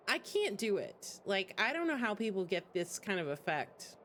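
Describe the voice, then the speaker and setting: A woman's voice: medium pitch, sing-song, moderate pace, fairly bright tone, slight background noise. Casual, rambling female game streamer. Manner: rambling, informal. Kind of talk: casual chat over gameplay. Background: faint game music and dialogue.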